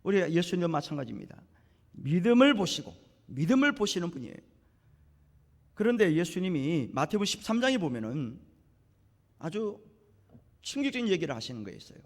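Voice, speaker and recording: Animated high-pitched male preacher. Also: fairly quick, long pauses. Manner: animated preaching, acting out biblical dialogue with rising emphasis. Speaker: pastor. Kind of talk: sermon. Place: church sanctuary. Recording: long church hall reverb.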